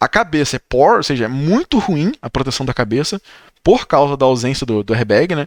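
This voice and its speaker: In a very clean recording with a silent background and a dry, close sound with no echo, a man with an ordinary speaking voice talks at a moderate pace in a fairly high pitch with lively intonation. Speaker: automotive safety YouTuber. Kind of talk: video reaction commentary. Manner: casual, conversational.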